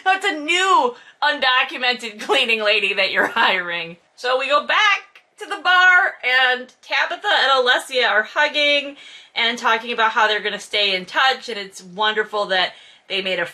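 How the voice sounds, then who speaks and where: Woman, high bright voice, casual comic book critique, exasperated, sarcastic, hyperbolic. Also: lively intonation, moderate pace. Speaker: host reading and critiquing a novel. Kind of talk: casual comedic book commentary.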